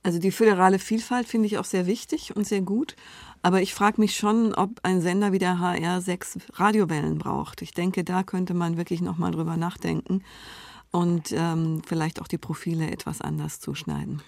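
A woman's voice: fairly low pitch, steady tone, moderate pace, vocal fry, darkish tone, no room sound. A woman speaking as a media journalist in a panel discussion, thinking aloud and weighing her answers as she goes.

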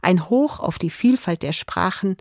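A German-speaking woman reading a calm, personal spiritual reflection for radio. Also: fairly low pitch, measured pace, creaky, dry recording, studio quality.

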